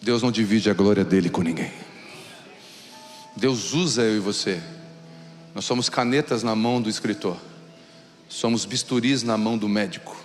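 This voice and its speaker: A man with a Brazilian Portuguese accent, a pastor preaching a sermon in a church hall and acting out excited voices as he tells stories. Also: lowish voice, normal speed, pauses often, soft background music. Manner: lively storytelling, acts out excited voices.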